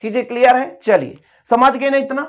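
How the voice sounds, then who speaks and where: A man giving a board lesson in physics to school pupils, talking in a coaxing, repetitive way. He checks again and again that the class follows. At times he slows to dictate answers word by word. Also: extremely high pitch, steady tone, muffled recording. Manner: repetitive, coaxing, addresses pupils as dear children; slowly dictates notes word by word. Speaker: physics teacher. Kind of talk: Hindi-medium classroom lecture at a board.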